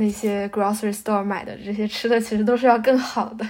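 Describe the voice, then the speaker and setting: A woman's fairly high pitch stays in monotone, flat intonation in a very clean recording with a silent background. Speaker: graduate student. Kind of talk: casual chat.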